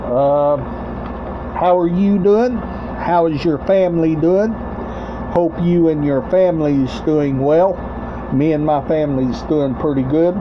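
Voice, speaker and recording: Middle-aged male vlogger, slightly high voice, halting and repetitive, casual show-and-tell; dull, noisy home recording. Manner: halting, short broken phrases, repeats himself. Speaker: host of a collection video channel. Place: small room at home, indoors. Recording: dull lo-fi webcam-like sound, clear background noise.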